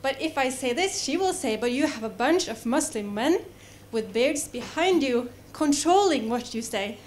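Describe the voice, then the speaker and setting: A woman in the audience at a public debate, calmly explaining her own view. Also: high-pitched, normal speed, slight background noise. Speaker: audience member.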